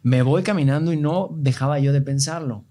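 A man with a Mexican accent telling travel stories in an animated way, heavy with slang, in a casual podcast chat. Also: fairly high pitch, a little fast.

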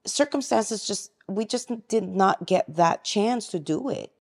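A woman's voice: medium pitch, lively intonation, a little slow, darkish tone. A middle-aged woman, a real estate agent, chatting as a podcast guest. She tells her story animatedly, laughs often and acts out her own past thoughts. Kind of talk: casual interview chat.

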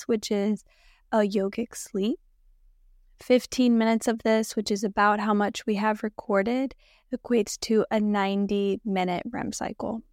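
A woman with a hoarse, worn-down voice, hosting a podcast and gently guiding a yoga nidra meditation with soft, slow instructions and long pauses. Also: medium pitch, no echo, studio quality. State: hoarse, losing her voice. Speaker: podcast host and meditation guide.

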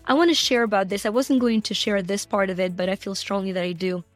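A woman guest on a podcast talking about her coaching work in an earnest, animated way, often laughing as she speaks. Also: mid-range voice, fast talker, no echo, faint music behind. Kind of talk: conversational interview.

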